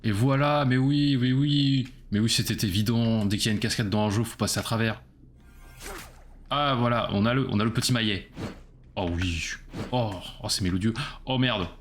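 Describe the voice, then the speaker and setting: A man's voice: lowish voice, fairly even intonation, a little fast, long pauses, slight background noise. A man casually commenting on his own gameplay during a live stream, chatty and self-mocking as he talks to his chat.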